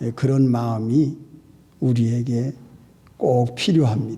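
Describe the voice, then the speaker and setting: A man speaks at a very slow pace, his tone dark and mellow. His voice is somewhat breathy, with fairly even intonation. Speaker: pastor. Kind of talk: sermon. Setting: church. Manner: formal. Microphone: voice sounds weak or quiet through the sound system.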